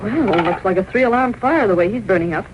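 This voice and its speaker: An actress playing a brisk, sassy newspaper secretary. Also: female voice, medium pitch, lively intonation, natural voice. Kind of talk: 1930s radio drama acting. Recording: hissy, muffled 1930s radio broadcast.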